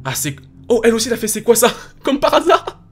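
Hyped gamer man, lively voice. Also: extremely high pitch, fast talker, husky. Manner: hyped, swears casually, addresses viewers as "les gars". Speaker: gaming YouTuber. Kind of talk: excited gameplay commentary. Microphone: facecam setup.

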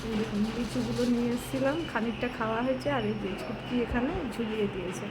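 A chatty woman vlogging on a handheld phone gives a casual home tour. Her voice sits a little high, with clear background noise under it. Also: steady tone, fast talker. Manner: chatty, points things out to viewers. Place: new flat and surroundings in a city, indoors and on a balcony. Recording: noisy phone recording.

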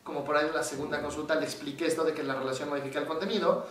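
Animated Mexican man in an echoey room. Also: on the high side, racing, recorded from a distance. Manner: animated storyteller, acts out quoted voices. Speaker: psychologist. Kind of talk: casual explanatory talk to camera.

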